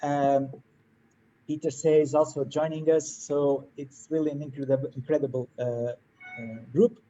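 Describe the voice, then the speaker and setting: A man's voice: fairly high pitch, little pitch movement, normal speed, mellow. Hesitant man hosting a video call. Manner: hesitant, many fillers, polite. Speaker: workshop host. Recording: dull lo-fi call audio with faint hiss.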